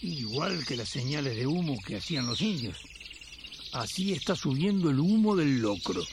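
A man's voice: on the high side, big pitch swings, moderate pace, very noisy. A man narrating a radio drama from a script. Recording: clear background birdsong and ambience.

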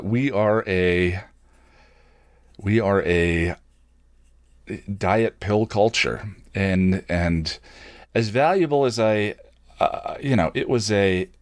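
Low-voiced man, candid and thoughtful. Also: no room sound, studio quality. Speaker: host of an online show. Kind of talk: reflective personal monologue.

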